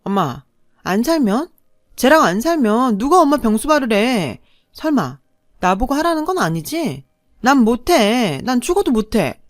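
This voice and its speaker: A woman voicing a pampered, selfish elder sister who talks in a low, sulky whine. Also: big pitch swings, a little slow, no room sound, studio quality. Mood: whining.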